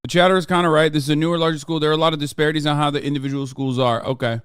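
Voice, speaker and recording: A man's voice: a little high, fairly even intonation, racing, a bit bright, clear, resonant tone, no room sound, clean studio sound. An American man streaming, reacting to a video with heated, profane ranting commentary. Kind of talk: casual livestream commentary.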